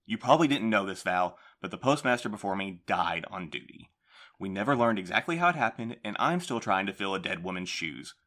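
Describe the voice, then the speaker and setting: An actor playing a defensive postmaster in an audio drama, speaking in a measured, placating way. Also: male voice, on the low side, expressive, a bit bright. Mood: weary. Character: defensive male postmaster, guarded boss.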